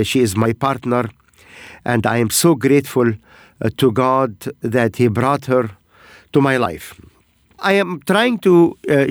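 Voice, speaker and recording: Male host of a ministry program, middle-pitched voice, earnest and halting, dry close sound. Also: no echo. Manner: earnest, halting phrasing with frequent pauses. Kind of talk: broadcast ministry talk, sharing testimonies.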